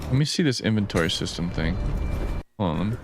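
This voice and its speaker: A man doing casual live-stream commentary on game footage, reacting excitedly with bro-ish slang and swearing, like a frat bro. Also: fairly low pitch, brisk, noisy background. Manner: animated reactions with frequent laughing and swearing.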